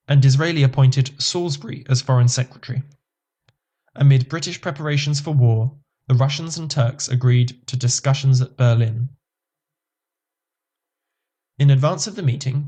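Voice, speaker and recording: A man reads an encyclopedia article aloud as scripted narration. His delivery is even and measured. The voice sits at a middle pitch with a mellow, warm tone.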